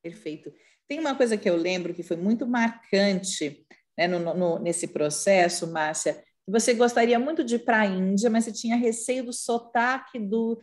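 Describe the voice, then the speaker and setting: A woman's voice: medium pitch, normal speed, darkish tone. A woman from Brazil, a speech therapist moderating a roundtable with patients, explaining and often adding "né?" tags.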